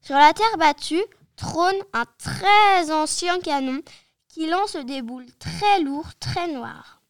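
A woman reads a children's story aloud in a lively, expressive storybook manner. Her voice sits fairly high and carries the first-person narration with animation. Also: no room sound, studio quality.

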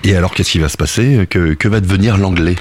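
A man's voice: sits low, quick pace, a little hiss or hum. A man acting as co-host, throwing in teasing quips.

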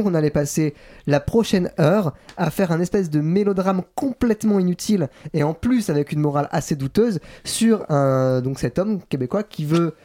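A man's voice: a little high, dark tone. A man losing his voice, rambling hesitantly through a film review. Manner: rambling, hesitant then laughing. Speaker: film critic. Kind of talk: casual chat.

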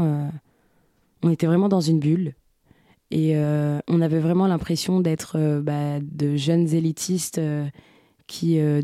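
A young woman from Algeria answering interview questions in a hesitant way, with many pauses and restarts. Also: sits low, dark tone, no room sound, clean studio sound. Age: young adult. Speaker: guest.

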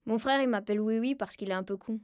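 A woman's voice: fairly high pitch, quick pace, a little mellow, no room sound, lightly acted. A woman voicing a wry, self-mocking disabled boy who tells his life casually in a radio drama monologue. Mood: wry, matter-of-fact. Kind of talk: first-person radio fiction monologue, colloquial. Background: music.

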